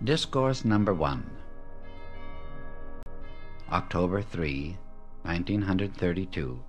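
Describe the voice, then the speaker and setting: A man reading a devotional book aloud as an audiobook narrator, in a measured, reverent way with long pauses. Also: sits low, big pitch swings, soft background music. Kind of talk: slow, solemn reading of devotional text.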